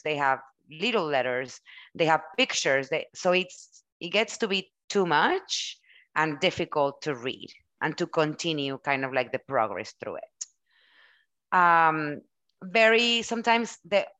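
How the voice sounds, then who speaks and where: Low-voiced Mexican-accented woman. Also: fairly bright tone, no echo. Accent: Mexican Spanish. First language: Spanish. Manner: earnest, explanatory, lists examples. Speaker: guest HR professional and recruiter. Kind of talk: conversational interview answers.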